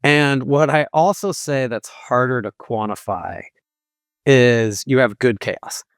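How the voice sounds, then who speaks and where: A man with a mid-pitched voice talks casually as an experienced sales executive in an interview. He is informal and emphatic, slipping into quoted remarks to make points. The sound is dry, with very little room echo. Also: takes it slowly, smooth. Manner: informal, emphatic, often quotes imagined dialogue. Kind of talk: casual conversational interview answers.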